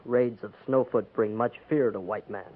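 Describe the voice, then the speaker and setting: An actor playing a proud, defiant young Native American band leader in a 1950s radio western, speaking solemn, stilted English. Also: male voice, lowish voice, steady tone, moderate pace, lightly acted. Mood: proud, boastful. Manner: terse, solemn, stilted broken English, declamatory. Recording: noisy, narrow-band 1950s radio recording.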